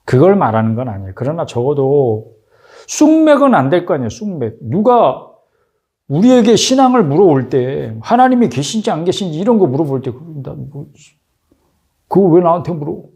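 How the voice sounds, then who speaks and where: A man's voice: a little high, big pitch swings, fairly quick, warm tone. A man preaching a sermon as pastor, exhorting his congregation with rhetorical questions.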